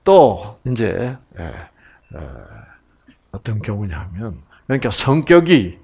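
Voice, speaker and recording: Man lecturing on health, unhurried delivery, husky voice, acts out quoted voices. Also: lowish voice, sing-song, darkish tone, lo-fi sound.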